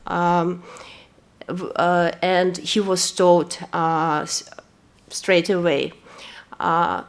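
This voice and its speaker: A woman from Kazakhstan, a lawyer giving an earnest, hesitant introduction at a press event, full of fillers. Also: lowish voice. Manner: earnest, personal testimony.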